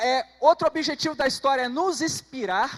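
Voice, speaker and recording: An animated man's voice with ordinary pitch variation, dry and close with no echo. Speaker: church history teacher. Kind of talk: bible study lecture.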